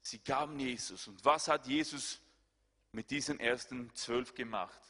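A male pastor, delivering a sermon in a bright, forceful voice. He moves between loud, soaring appeals and hushed, lower asides. The voice carries a long reverb, as if it fills a large hall. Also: unhurried. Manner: swings between loud high-pitched preaching and quiet low asides.

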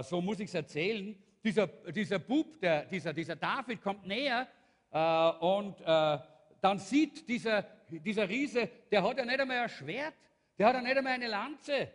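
A man's voice: high-pitched, animated, normal speed. A man, a pastor preaching a sermon and animatedly retelling a Bible story, acting out the characters. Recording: long hall reverb.

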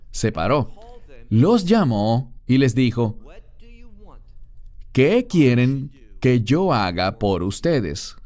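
A man preaching an expository sermon, emphatic, slowing down to stress words. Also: darkish tone. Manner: emphatic, with dramatic pitch swings.

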